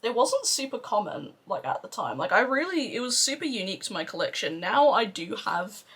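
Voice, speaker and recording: Husky woman chatting casually. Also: fairly high pitch, sing-song, a little fast, fairly bright tone. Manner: playful, sweary, self-deprecating. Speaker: beauty vlogger doing a makeup tutorial. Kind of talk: casual rambling chat to camera.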